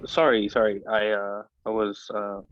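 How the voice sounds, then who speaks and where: A man's voice: lowish voice, level tone, moderate pace, clear, resonant tone, natural voice. A man playing a teasing young sweetheart in a script table read, on dull, muffled audio. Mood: flustered, coy.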